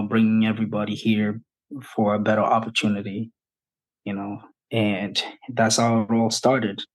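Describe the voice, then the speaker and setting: Slow, flat-voiced man in his thirties from Ethiopia. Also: on the low side, low-quality recording. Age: 30s. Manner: unhurried, thoughtful, restarts often. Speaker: podcast guest. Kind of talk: casual interview.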